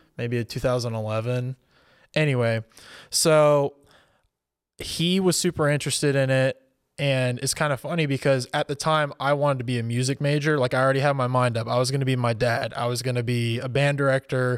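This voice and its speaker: Heard on a very clean recording with a silent background, a man with an American accent uses an ordinary speaking voice at medium pitch, talking at a fairly quick pace with fairly even intonation. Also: dry, close sound with no echo. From Texas, Dallas area. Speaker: university student and videographer. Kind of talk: casual chat.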